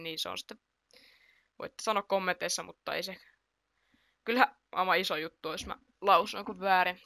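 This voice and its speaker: A woman chatting through her football video game match, excitable, reacting aloud to each play and laughing at her own mistakes. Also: lowish voice, no echo, studio quality. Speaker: gaming YouTuber. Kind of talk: casual gameplay commentary.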